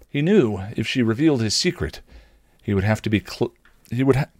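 A man's voice: fairly low pitch, dry recording, studio quality. A man narrating a scripted story expressively, as a reader of fan fiction.

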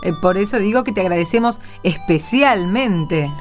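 A woman's voice: medium pitch, expressive, moderate pace. A woman hosting and narrating a radio drama in a conversational presenting style. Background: music.

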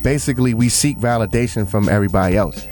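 A man in his late thirties co-hosting a radio show in a studio, easygoing and quick to laugh. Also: lowish voice, darkish tone, soft background music. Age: 30s. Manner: laughs often, teasing, loose and easygoing. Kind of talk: casual studio banter.

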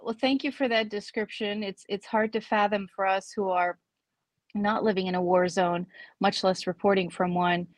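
A woman hosting an interview podcast over a video call, speaking in a measured way with frequent pauses and fillers. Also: medium pitch, fairly even intonation, no echo. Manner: measured, hesitant with many fillers. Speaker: podcast host.

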